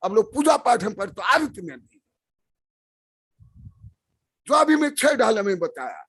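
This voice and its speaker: An older man giving a sermon as a spiritual teacher, chanting verses and repeating key words with emphatic bursts of loud speech. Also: sits high, very animated, unhurried, husky. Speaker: Jain acharya preaching. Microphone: online webinar stream.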